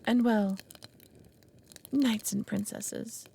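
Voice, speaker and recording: A woman playing an anxious, possessive dragon in an ASMR roleplay, halting and formal, often dropping into breathy half-whispers. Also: mid-range voice, fairly even intonation, dark tone, a little hiss or hum, heavily acted. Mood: flustered, coy. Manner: halting, earnest, formal wording. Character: anxious, lonely, possessive female dragon, awkwardly smitten. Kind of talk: ASMR roleplay audio drama.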